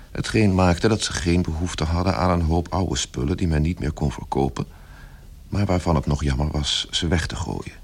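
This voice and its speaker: A man's voice: deep voice, vocal fry, darkish tone, husky, heavily acted. A man giving scripted literary narration in a radio play as a sombre, detached storyteller.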